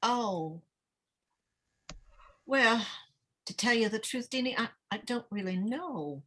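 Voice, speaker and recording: Woman playing a fretful, bright-voiced small-town mother. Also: fairly high pitch, lively intonation, exaggerated voice. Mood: wistful, gossipy. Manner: halting, stammering, rambling. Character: anxious, fretful middle-aged small-town mother, needy and defensive. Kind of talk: dramatic table read of a screenplay.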